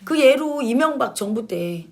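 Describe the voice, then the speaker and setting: A woman commentator speaks in a fairly high voice, blunt and emphatic. She drives her points home by repeating key words and slides between casual and polite speech. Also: expressive, unhurried, darkish tone. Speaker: commentator answering questions. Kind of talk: opinionated commentary.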